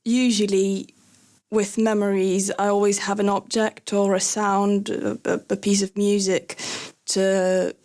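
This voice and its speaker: Young woman, first language Lithuanian, podcast guest; slow, halting storyteller with soft laughs. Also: mid-range voice, little pitch movement. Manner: hesitant, many fillers, laughs softly. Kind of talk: casual conversational storytelling.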